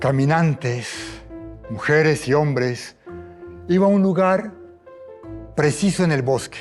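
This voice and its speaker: Over music in the background, a man with a fairly high pitch speaks at a very slow pace with lively intonation, very even loudness and long, frequent pauses. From Colombia. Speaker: storyteller. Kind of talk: oral storytelling performance.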